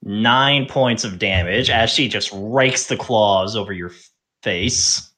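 A man narrating a tabletop game as game master, improvising haltingly with drawn-out pauses. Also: fairly low pitch, bright, forceful tone.

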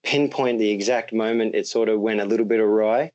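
A young Australian man chats casually as a podcast guest, relaxed and rambling, with many ums and easy laughter. His voice is lowish and fairly quick, and the recording sounds lo-fi.

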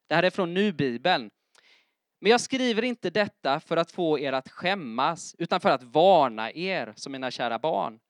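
A middle-aged man preaching a sermon in church, lively and emphatic, often asking his congregation if they are following. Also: a little high, dry recording, studio quality. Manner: keeps checking in with the congregation with questions. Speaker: pastor.

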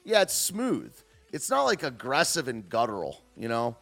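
Male stream host, casual commentary, joking and rambling, lively swooping pitch, faint music underneath. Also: normal speed, creaky. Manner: joking, rambling, trails off and restarts. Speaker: livestream host. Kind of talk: casual commentary, reading chat.

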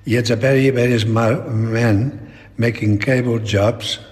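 A very old man with a Spanish accent, talking reflectively in an interview in halting, broken English with repeated words. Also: mid-range voice, steady tone, a little mellow. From Spain. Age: elderly. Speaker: painter being interviewed. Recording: long echoing reverb in a hall.

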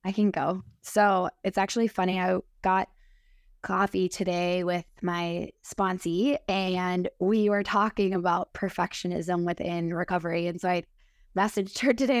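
A woman's voice: medium pitch, normal speed, clean tone, dry recording, clean studio sound. A woman in her early thirties with an American Midwest accent, reflecting casually and earnestly as a podcast guest, often dropping in "like". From Minnesota, United States. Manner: earnest, filler-heavy with frequent "like". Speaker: podcast guest, sober group leader. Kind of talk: casual personal reflection in conversation.

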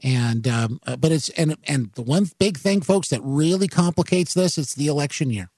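A male talk radio host rambles through news commentary into a studio mic, halting often, using many fillers and correcting himself. His voice is a little high, animated, slightly mellow with a breathy edge, and the recording has no room sound.

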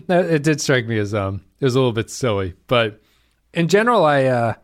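A man's voice: medium pitch, big pitch swings, normal speed, no echo, studio quality. A man co-hosting a podcast in casual chat, hesitant with many restarts and frequent laughter. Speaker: podcast co-host.

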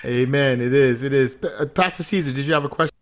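A man's voice: medium pitch, fast talker, a little hiss or hum. A man hosting a Christian talk show, introducing his guest with upbeat, hype-man energy. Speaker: show host.

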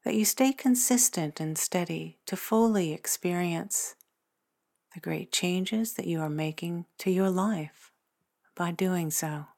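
A woman narrating a guided meditation in a soothing, measured manner with long pauses between phrases. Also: fairly low pitch, vocal fry, a little mellow. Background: new-age meditation music.

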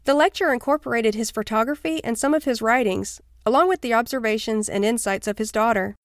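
Crisp, dry-sounding woman podcast host. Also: a little high, a little fast, no room sound. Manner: clear, polite, read from a script. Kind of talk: scripted intro and interview questions.

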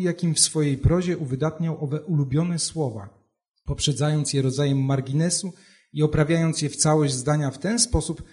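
A man who hosts a literary discussion, reading a prose passage aloud in a steady voice and then talking about it with some hesitation. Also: on the high side, breathy edge.

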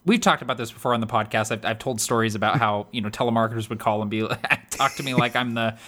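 A man with a high voice, co-hosting a podcast in casual chat, talkative and laughing often with lots of fillers. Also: fast talker, pushed and bright. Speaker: podcast co-host.

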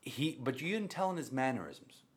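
A husky, mid-range voice with big pitch swings belongs to a Catholic priest talking about faith at a normal speed. He grew up speaking Spanish, keeps the tone conversational, and repeats phrases for emphasis.

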